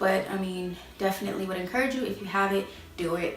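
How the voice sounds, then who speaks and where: Music plays in the background as a woman speaks at a moderate pace and medium pitch, with audible room echo. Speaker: furniture makeover YouTuber. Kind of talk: tutorial. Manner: casual, filler-heavy.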